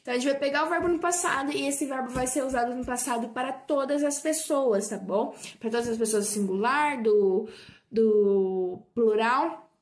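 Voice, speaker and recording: Woman teacher, high voice, native Portuguese speaker, patient, repeats drills, self-correcting. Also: moderate pace. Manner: patient, repeats points and asks for repetition; frequent slips and self-corrections. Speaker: English teacher. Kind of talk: online grammar lesson.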